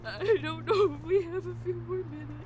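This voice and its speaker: A woman playing a wounded, devoted reaper demigod in an audio drama, crying and halting through pain. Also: very high voice, a crowd in the background. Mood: anguished, apologetic. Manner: tearful, halting, strained speech with stammered repeats.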